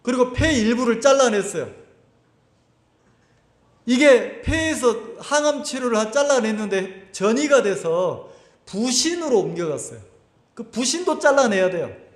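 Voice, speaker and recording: A man's voice: very high-pitched, big pitch swings, a little slow. A male pastor preaching a sermon, putting rhetorical questions to the congregation and acting out the voices of churchgoers. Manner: asks the congregation rhetorical questions and answers them; acts out quoted voices of churchgoers. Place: church hall at a summer camp. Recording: echoey hall.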